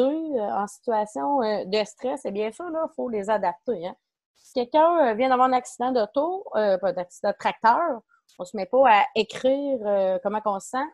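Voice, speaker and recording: Québécois woman presenter, fairly high, dry close sound, loose and chatty. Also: a little mellow, no echo. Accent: Québécois French. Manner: chatty and informal, many fillers and self-corrections. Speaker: farm community support worker. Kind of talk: online workshop presentation.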